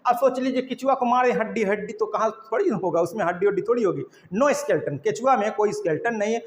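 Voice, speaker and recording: A man teaching biology in a classroom lecture, mixing Hindi with English terms, asking and answering his own questions and repeating key points slowly. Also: sits high. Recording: echoey room with long reverb.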